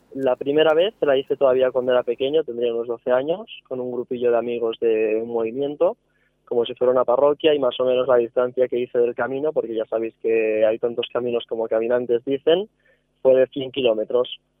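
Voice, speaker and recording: The man talks at a fairly quick pace. His medium-pitched voice keeps a fairly even intonation. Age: 20s. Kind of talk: testimony. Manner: cheerful.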